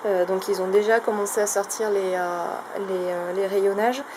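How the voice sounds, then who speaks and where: A woman's voice: mid-range voice, steady tone, moderate pace. A woman casually showing a craft shopping haul, talking in a chatty, hesitant way with many fillers. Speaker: craft vlogger. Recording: noisy home recording.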